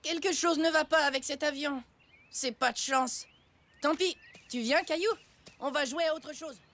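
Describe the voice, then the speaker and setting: A woman's voice: high voice, normal speed, a bit bright. A woman voicing a confident, breezy older boy in a children's cartoon, upbeat and encouraging to a younger playmate. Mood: easygoing. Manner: upbeat, self-assured, encouraging.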